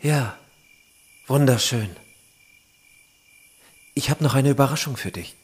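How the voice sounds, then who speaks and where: An actor playing a young, devoted would-be warrior in an audio drama. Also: male voice, medium pitch, slow pace, husky. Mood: tender, awed. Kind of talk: German audio drama acting.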